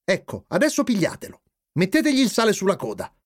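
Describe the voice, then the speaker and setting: A man voicing an older, sharp-tongued aunt who scolds and mocks with sarcasm. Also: high voice, wildly swooping pitch, quick pace, voice pushed up, heavily acted. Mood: reproachful. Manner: reproachful, sarcastic.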